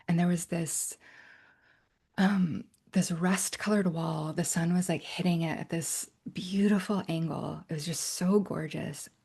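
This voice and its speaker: A middle-aged woman coach leading an online workshop, earnest and personal, often checking in with "right?" and slipping into soft whispery asides. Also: on the low side, vocal fry, breathy edge. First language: English.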